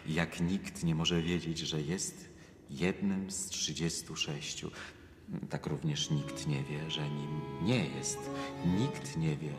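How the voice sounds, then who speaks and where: A wise, philosophical monk speaks in a low voice with measured, fervent eloquence. It is radio drama, set in a long, echoing hall with music behind him. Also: male voice.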